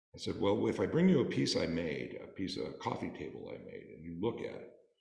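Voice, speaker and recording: A man with an American accent talks at a fairly quick pace, with audible room echo around him. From US Midwest, Des Moines Iowa. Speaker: lay speaker, historic preservationist. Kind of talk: talk to congregation. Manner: casual, storytelling.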